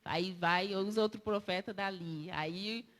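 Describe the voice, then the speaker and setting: A woman's voice: mid-range voice, a little slow, a bit bright. A woman with a Brazilian Portuguese accent preaching a sermon, tearful and emotional, repeating phrases and often turning to her congregation. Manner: emotional, repetitive, addresses congregation as brothers.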